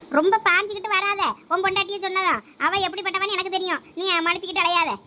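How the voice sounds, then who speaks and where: A woman with a Thoothukudi Tamil accent voicing a sharp-tongued middle-aged elder sister in a cartoon family drama, scolding quickly and defiantly. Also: extremely high pitch, fairly even intonation, a little hiss or hum.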